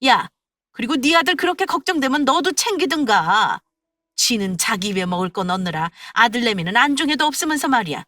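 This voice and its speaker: A woman's voice: a little high, very animated, brisk, dry recording, studio quality. A woman voicing an older mother in a story reading, who dotes on her son-in-law and scolds sharply when pushed. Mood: scolding. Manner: coaxing, then sharp and scolding.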